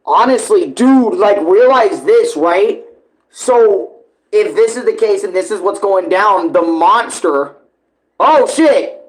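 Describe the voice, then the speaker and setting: A man with a fairly high voice gives casual live reaction commentary. He talks slowly, in a slangy, exclamatory way with plenty of swearing. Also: lively intonation, low-quality recording. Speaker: reaction streamer.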